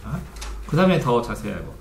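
A man's voice: medium pitch, big pitch swings, moderate pace. A man teaching a study method in steps, asking his listeners questions and then answering them himself. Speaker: study coach. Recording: echoey room, faint background noise.

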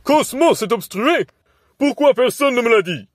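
A man's voice: very high-pitched, animated, a little slow, a little hiss or hum. A man voicing a zany, theatrical circus ringmaster in a cartoon fan dub, with a showy, whimsical delivery.

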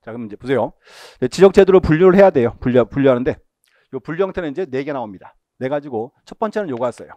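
Lively, mellow-voiced male lecturer. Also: mid-range voice, fast, no room sound. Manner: asks and answers his own questions; repeats key terms, tells students what to mark. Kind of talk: exam-prep lecture.

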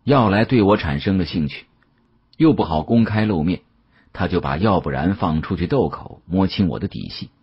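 A man with a husky voice narrating a first-person story as an expressive, scripted audiobook. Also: deep voice, moderate pace, highs cut off.

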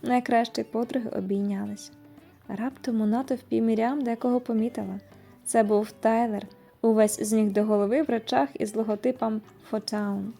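A woman narrates an audio fairy tale in an expressive, lively reading. Her voice sits fairly high and sounds soft and mellow. Gentle music plays under her reading. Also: normal speed, creaky. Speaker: storyteller.

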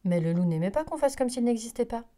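A woman reading a children's picture book aloud, telling it in an expressive, lively way. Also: fairly high pitch, fast. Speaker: storyteller. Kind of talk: children's story read-aloud.

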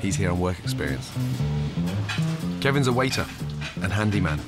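A man's voice: low-pitched, expressive, normal speed. A man reading a matter-of-fact voice-over for a reality TV show. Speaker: narrator. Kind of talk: scripted TV voice-over. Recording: voice-over over loud music bed.

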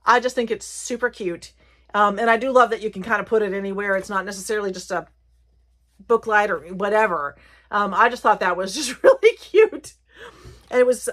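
A woman's voice: medium pitch, fairly bright tone. Chatty woman with a light Southern lilt. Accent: light Southern American. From Virginia, United States. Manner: rambling, chatty, self-correcting. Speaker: haul and craft vlogger. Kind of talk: casual chatty haul video.

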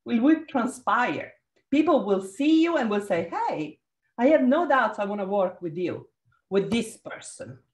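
A woman's voice: fairly high pitch, a little slow, echoey room. Italian-accented woman leading a video workshop. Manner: energetic, encouraging, calls on participants. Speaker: workshop facilitator. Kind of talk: leading a group video call. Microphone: video call.

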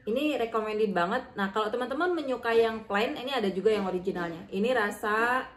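A woman's voice: on the high side, a little fast. A young woman giving a casual, chatty review of diet foods, with frequent fillers and self-corrections, filmed on a camera across a table indoors. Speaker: vlogger reviewing diet products. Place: indoor room. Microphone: fixed camera at table distance. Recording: echoey room, faint noise.

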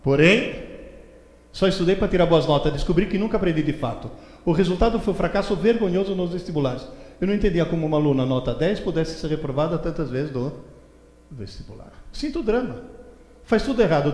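A man in his seventies giving an animated lecture on a stage, telling stories with mimicked voices and indignant outbursts. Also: a little high, fast talker. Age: 70s. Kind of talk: animated lecture to a seminar audience. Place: large hall with a stage. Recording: echoey hall recorded from far off.

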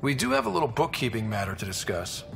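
A man playing a young space explorer commander in a video game, steady, casual and direct. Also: mid-range voice, fast, vocal fry, faint music behind, heavily acted. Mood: firm. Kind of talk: video game cinematic acting.

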